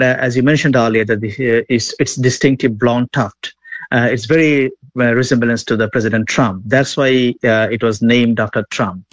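A man's voice: medium pitch, no echo. A man from Bangladesh speaks as a journalist joining a live news programme. He talks hesitantly and often restarts his sentences. His voice comes over a dull, slightly muffled remote line with a dry sound. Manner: hesitant with frequent uh fillers and restarts.

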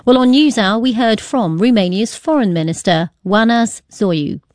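A woman's voice: a little high, a little mellow, no room sound. Woman presenting news in a dry studio. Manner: crisp measured newsreader delivery with light laughter in chat. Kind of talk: live radio news presenting. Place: broadcast studio. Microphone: studio microphone.

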